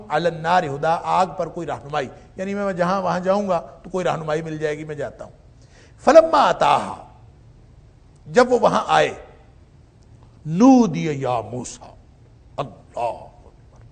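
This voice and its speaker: Male lecturer, gravelly and a bit high, recites verses slowly, then explains with force. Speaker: professor teaching Quran commentary. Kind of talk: Quran exegesis lecture.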